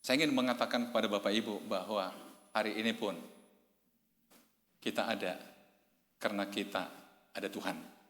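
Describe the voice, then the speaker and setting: Male pastor, bright sermon voice, echoey church hall. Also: fairly low pitch, moderate pace, pauses often. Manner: storytelling preacher, addresses congregation as "saudara", animated shouts and laughs.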